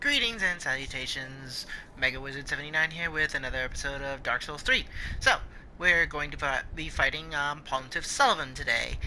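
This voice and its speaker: Background noise is noticeable. A man talks at a fairly quick pace. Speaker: gaming youtuber. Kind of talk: gameplay commentary. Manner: hesitant, many fillers.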